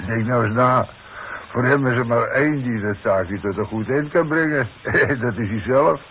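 A sly foreman in a vintage radio play, acted by a man, middle-aged and used to giving orders. He needles and insists with smug confidence in an average-pitched voice. The sound is muffled, with faint noise. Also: measured pace, natural voice. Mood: smug, amused. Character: sly, bossy demolition foreman, needling and scheming. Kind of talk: 1960s Dutch radio play acting. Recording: muffled, hissy 1960s radio recording.

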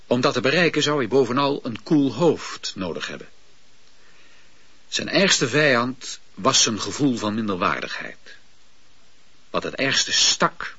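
A man narrating a radio drama in a measured storytelling manner. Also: mid-range voice, sharp tone, breathy edge, dry recording. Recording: dull, dry lo-fi old radio recording.

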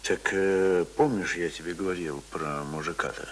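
A man's voice: low voice, fairly even intonation, moderate pace, close to an everyday voice. A man acting a talkative, coaxing village brother in a naturalistic radio play, speaking colloquially and hesitantly. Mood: coaxing, explaining. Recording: hissy old radio recording.

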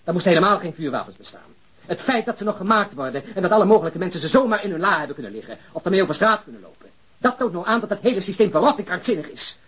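A man acting in a crime audio drama as an earnest, principled police detective, blunt and probing, speaking deliberately. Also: high voice, sing-song, a bit bright. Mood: indignant. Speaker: actor in a radio drama.

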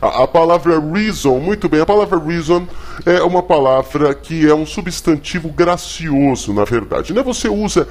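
A man with a Brazilian accent hosting a comedy call-in lesson as a mock teacher, halting and stammering over his explanations. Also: fairly high pitch, animated, darkish tone. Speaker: host playing a mock English teacher.

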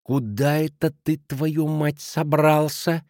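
Man voicing a menacing wife, low quiet hiss, slow threat. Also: fairly even intonation, no echo, studio quality. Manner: hissing, cold, threatening. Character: stout domineering wife, menacing, icy.

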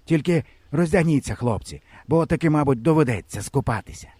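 A man reading a storybook, voicing a gruff, bossy old village grandfather who scolds bluntly. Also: on the high side, animated, brisk, warm tone, no echo. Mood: calm advising.

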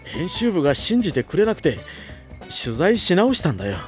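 A man's voice: high voice, big pitch swings, fairly quick, over music. An actor playing a mild, flustered, apologetic man who hesitates and stammers in an anime audio drama.

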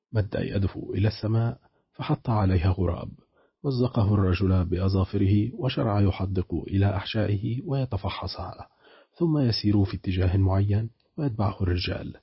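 A man narrating an audiobook in a steady, measured reading. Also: low voice, slightly rough, dry recording, highs cut off.

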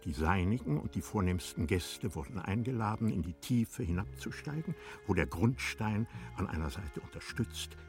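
A man reading literary narration for a radio play in measured, composed phrasing. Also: lowish voice, animated, soft background music.

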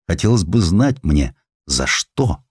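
A man's voice: sits low, sing-song, slow, darkish tone, slightly rough, no echo, clean studio sound, exaggerated voice. A man voicing a proud, aggrieved older doctor of imperial Russia in an indignant, declamatory manner for a dramatized audiobook. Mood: wounded, puzzled.

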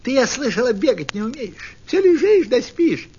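A man's voice: extremely high pitch, sing-song, moderate pace, darkish tone, slightly rough, muffled recording, voice pushed up, full character voice. A man voicing a sly, boastful female fox in a folk tale, speaking in a mocking, scheming way.

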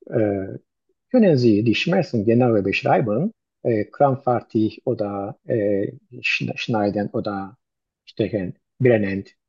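A man taking a patient's history as a doctor in a role-play, speaking slowly and haltingly with many hesitations. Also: fairly low pitch, creaky, darkish tone, breathy edge, no echo. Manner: slow, halting, many "äh" and "mhm". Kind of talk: medical exam role-play. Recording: dull lo-fi recording.

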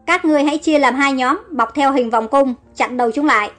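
A cunning, cruel king giving sharp orders to his troops, as a woman storyteller reads him. The voice sits high, with faint music underneath. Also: fairly quick. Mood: commanding. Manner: commanding orders. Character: cunning ruthless male Babylonian king.

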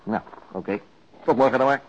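An actor playing a pensive, plain-spoken police detective in a radio drama, understated and conversational. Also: male voice, medium pitch, fairly quick, a little mellow, natural voice. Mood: reassuring. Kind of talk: naturalistic radio drama dialogue. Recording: muffled radio drama recording, clear background noise.

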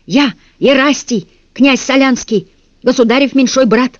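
A man's voice: high-pitched, big pitch swings, moderate pace, no echo. A man voicing a bold sixth-grade boy who pleads with his guards in a storybook reading, over a dull, dry recording. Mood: insistent.

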